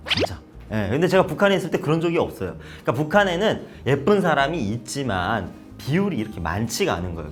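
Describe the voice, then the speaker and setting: A young man from North Korea talking casually to camera, telling stories with acted-out quotes. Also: medium pitch. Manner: lively storytelling with acted-out quotes. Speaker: vlogger.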